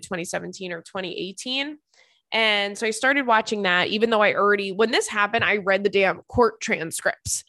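A woman's voice: mid-range voice, fairly bright tone, dry recording. A young woman hosting a casual solo podcast, sounding congested from crying, chatty and joking with a self-deprecating streak. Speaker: podcast host and stand-up comedian.

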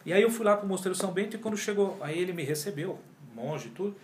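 A man's voice: sits high, quick pace, slight background noise. A man, a yoga teacher telling his story in a casual, slangy interview. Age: 40s. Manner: animated and slangy, often says cara and pô. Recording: roomy echo.

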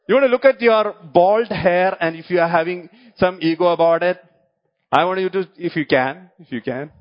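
A man with a Malayali Indian English accent, whose first language is Malayalam, preaching a sermon. He repeats key phrases and keeps asking the congregation short questions. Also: high-pitched. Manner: repeats key phrases and restarts his sentences. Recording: dull lo-fi recording.

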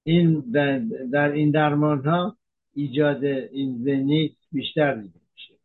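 A man's voice: fairly high pitch, fairly even intonation, breathy edge. Man explaining medicine over a tinny line. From Iran. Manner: measured, explains terms, frequent hesitations. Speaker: physician giving health talk.

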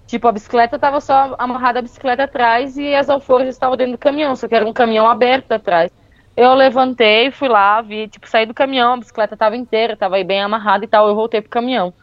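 A woman tells a travel story in a casual, chatty way, full of fillers. Her voice sits a little high. The recording is close and dry, with a slightly dull, muffled tone. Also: quick pace, no room sound. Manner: lively, with many fillers like "tipo" and "meu". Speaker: guest telling a travel story.

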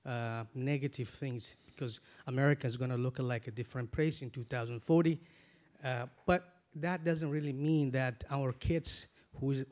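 Man, forties, earnest, halting, restarts, panel guest. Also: medium pitch, a little mellow. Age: 40s. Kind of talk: panel discussion.

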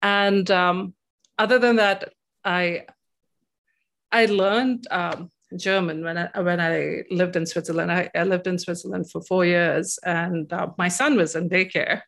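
Low-pitched, thoughtful woman. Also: fairly even intonation, creaky, a bit bright. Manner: thoughtful, hesitant, with frequent pauses and repeated words. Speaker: interviewee. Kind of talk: reflective interview talk about personal experience.

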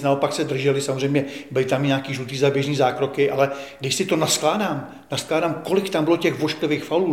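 Indignant older man, echoey room. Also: a little high. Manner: indignant, emphatic, repeats himself. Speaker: veteran football journalist, guest. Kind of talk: studio interview.

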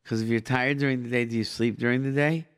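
A middle-aged man speaks as a call-in radio host at a medium pitch. He gives conversational advice in short, repeated phrases and rhetorical questions, dropping in Hebrew and Yiddish expressions. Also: fairly even intonation, quick pace, smooth.

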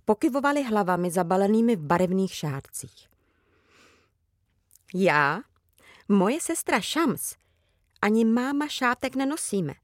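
A woman reading a children's book aloud with calm, even storytelling. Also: mid-range voice, dry recording, studio quality. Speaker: reader.

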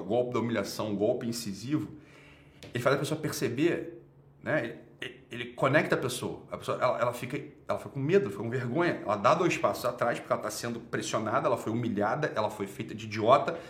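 A man with a Brazilian accent on a live stream who swears constantly, laughs loudly and mocks his viewers. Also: mid-range voice, animated, brisk, echoey room. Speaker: livestreamer. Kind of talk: profane rant and lecture on a live stream.

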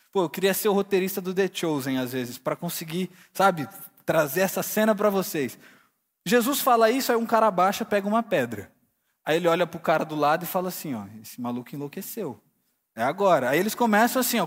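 A man's voice: sits high, long reverb tail. A Brazilian man preaching a casual sermon, retelling the scene vividly in slang and acting out the people in it. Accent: Brazilian Portuguese. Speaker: pastor.

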